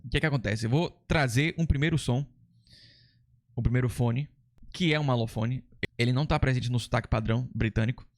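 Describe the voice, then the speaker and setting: Brazilian guy teaching english accents, chatty and into it, mid-pitch voice. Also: brisk. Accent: Brazilian Portuguese. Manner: chatty, enthusiastic, explains step by step. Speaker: English teacher and channel host. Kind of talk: casual explanatory lesson.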